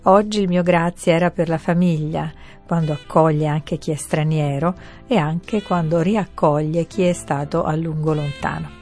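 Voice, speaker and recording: A woman radio host closing her show, speaking directly and warmly to her listeners. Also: deep voice, steady tone, moderate pace. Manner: friendly, direct address to listeners. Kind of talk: scripted sign-off. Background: music.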